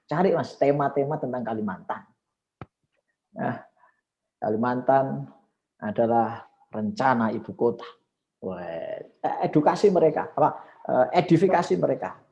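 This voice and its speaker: A man coaching public speaking on a video call, with lively swings of intonation and frequent exclamations. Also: medium pitch, unhurried, long pauses, lo-fi sound. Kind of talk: coaching session with live speech demos. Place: online video call session.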